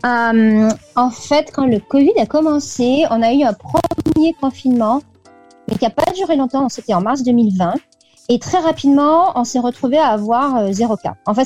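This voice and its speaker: French woman in her 30s, chatty, lots of euhs, soft mellow voice, a bit high, faint music behind. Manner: chatty, many fillers and restarts. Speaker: interview guest. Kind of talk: casual radio interview over a call.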